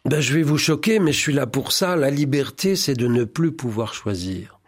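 A man's voice: mid-range voice, animated, moderate pace, slightly rough, no room sound, clean studio sound. A man guest in a spiritual radio interview, speaking in a fervent, preacherly way and often quoting scripture. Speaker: priest and songwriter, interview guest.

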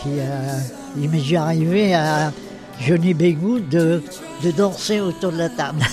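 A man's voice: on the high side, measured pace, over music. A man presenting a song on a community radio show in a cheerful, stumbling way. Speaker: music presenter.

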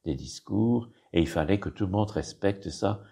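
A man's voice: low-pitched, normal speed, gravelly, warm tone, breathy edge. An older man, explaining history in an interview in a rambling, digressive way with frequent tag words. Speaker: bishop and historian guest.

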